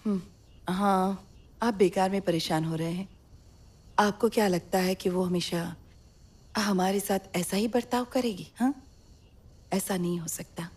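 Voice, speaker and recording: A woman dubbing a middle-aged mother who speaks softly to her husband and turns sharp when she scolds. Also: medium pitch, unhurried, long pauses, husky. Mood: calm. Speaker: dubbing voice actor. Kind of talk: Hindi dub of a drama series.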